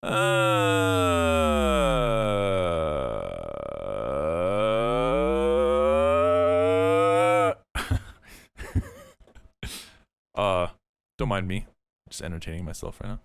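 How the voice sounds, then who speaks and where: A man's voice: low-pitched, fast. A man talking on a livestream through a frequency-shifter effect that gives his voice a robotic sound, speaking in a playful, mock-formal way.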